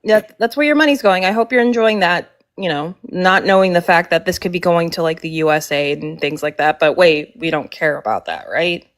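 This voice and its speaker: A woman guest in casual chat, agreeing quickly and making sarcastic asides. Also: fairly low pitch, no room sound, studio quality.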